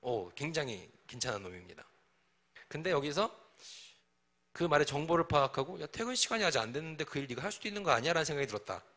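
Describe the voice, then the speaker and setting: Lively bright-voiced Korean pastor. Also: male voice, a little high, quick pace. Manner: conversational, teasing, acts out quoted dialogue. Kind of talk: sermon to young adults.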